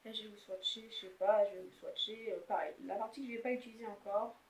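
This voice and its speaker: A young beauty vlogger shows off and swatches her makeup palettes in a rambling, chatty talk packed with fillers and restarts. Her mid-range voice stays steady, and she talks fast. The camera's built-in mic captures an echoey room with faint noise.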